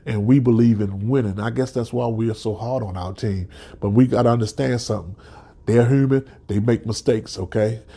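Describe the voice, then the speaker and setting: A man's voice: medium pitch, fairly even intonation, fairly quick, vocal fry, dark tone, husky. A man hosting a solo sports podcast, stuffed up from a cold, talking as a passionate fan with many restarts and "okay?" tags. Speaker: podcast host.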